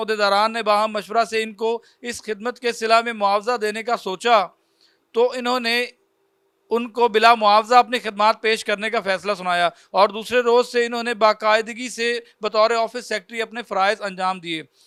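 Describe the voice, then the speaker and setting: In a very clean recording with a silent background, a man speaks at a high pitch in a monotone, flat intonation. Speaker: TV reporter. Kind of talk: news report to camera.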